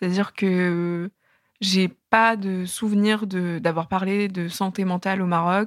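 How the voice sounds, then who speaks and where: On a very clean recording with a silent background, a woman talks at a fairly slow pace in a medium pitch with fairly even intonation. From Morocco, Marrakech. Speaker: student, mental health testimony. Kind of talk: testimony. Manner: hesitant, many fillers.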